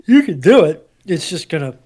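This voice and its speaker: A man's voice: fairly high pitch, sing-song, normal speed, darkish tone. A man on a discussion panel, chatting casually and somewhat hesitantly as he thinks aloud. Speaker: panel guest.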